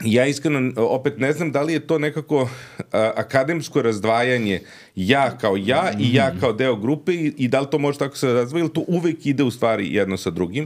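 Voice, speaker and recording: The background is quiet as a man talks, his pitch rising and falling in an ordinary way. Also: fairly quick pace. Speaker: psychiatrist podcast guest or co-host. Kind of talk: interview answer. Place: studio. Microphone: studio mic.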